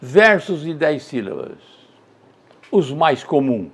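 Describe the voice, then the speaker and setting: An older Brazilian man teaches a poetry lesson in an unhurried, deliberate way. His voice sits a little high for a man, and he draws out each verse he recites with feeling. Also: big pitch swings, slightly rough. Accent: Brazilian Portuguese. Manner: recites verses slowly and with feeling, stretching words.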